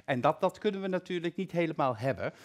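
A woman's voice: low-pitched, animated, fast talker. A woman hosting a live online nail workshop, her voice swinging widely up and down as she talks. She keeps the chat enthusiastic and reads out viewer comments one after another. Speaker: workshop host.

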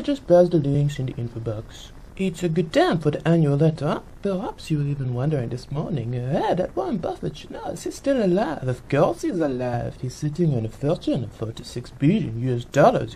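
A man's voice: on the high side, warm tone, husky, full character voice, low-quality recording. A man voicing a chatty French monkey puppet reporter with a French accent and a sing-song voice. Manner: jokey, rambling, flustered fibbing. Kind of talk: comic puppet news segment.

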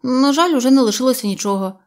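A woman's voice: high voice, animated, quick pace, a little mellow, voice pushed up. Woman doing a prim, stern storybook rabbit. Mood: polite.

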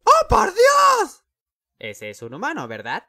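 A man voicing a loud, boastful tall skeleton guard in a cartoon fan dub, shouting with wild theatrical leaps in pitch. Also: wildly swooping pitch, slow, vocal fry, exaggerated voice.

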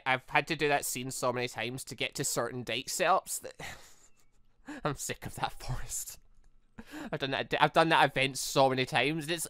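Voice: mid-range voice, a bit bright, clear, resonant tone, no echo, clean studio sound. A gaming video host giving exclamatory, rambling commentary on a playthrough, often interrupting themselves mid-thought. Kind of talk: playthrough commentary with read-aloud dialogue.

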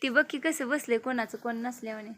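A woman's voice: fairly high pitch, brisk, noisy background. A woman films her pet cats at home and talks to them in teasing baby-talk. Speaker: vlogger, mother. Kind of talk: casual home vlog, talking to pet cats.

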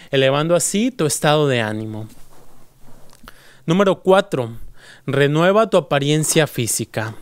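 Smooth-voiced motivational man. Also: on the high side, dry recording, studio quality. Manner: earnest, addresses the listener directly. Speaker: self-help host. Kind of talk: scripted motivational talk.

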